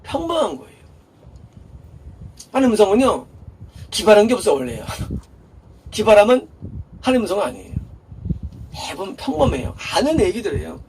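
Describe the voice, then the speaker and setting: Brisk and high-pitched with huge swings in pitch, a man preaches in a darkish tone, pausing often. He chats informally, laughs here and there, and poses questions to the congregation before answering them, his voice a little far from the mic amid faint background noise.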